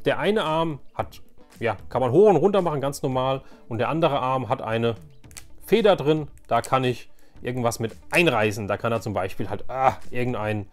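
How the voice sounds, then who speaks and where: A man's voice: medium pitch, a little mellow. A man in his forties hosts a casual show-and-tell in a mid-range voice. He meanders and hesitates as he goes, with an enthusiast's interest. Faint music plays underneath. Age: 40s. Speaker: toy collector and video host.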